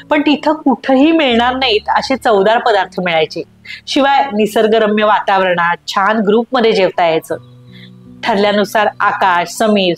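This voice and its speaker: A woman reading a short story aloud, narrating expressively. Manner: voices friends' dialogue with raised excited pitch. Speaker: story reader.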